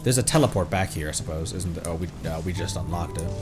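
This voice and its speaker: A man with a fairly low voice chats casually through a game livestream. He muses and rambles aloud, with game music clearly playing behind him. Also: quick pace. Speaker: VTuber game streamer.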